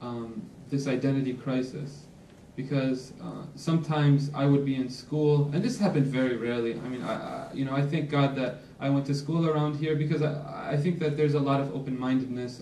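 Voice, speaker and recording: With audible room echo and light background noise, the voice moves at a fairly quick pace with fairly even intonation. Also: man, fairly high pitch for a man. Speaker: panelist, educator. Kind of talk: panel talk. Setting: stage with audience. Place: meeting room. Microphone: camera far.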